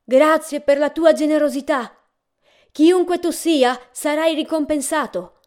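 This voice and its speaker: A woman's voice: high voice, a little slow, a little mellow, pitched above the performer's own voice. A woman playing a lost, pleading traveler man. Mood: eager. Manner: pleading, eager, slightly raised voice. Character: lost, cold male traveler, polite then impatient. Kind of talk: storybook reading.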